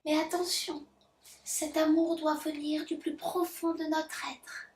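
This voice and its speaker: A woman voicing a gushing, syrupy female heart chakra spirit who talks in a soft, preachy, loving way. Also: high-pitched, level tone, slow pace, distant mic, pitched above the performer's own voice. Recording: roomy echo.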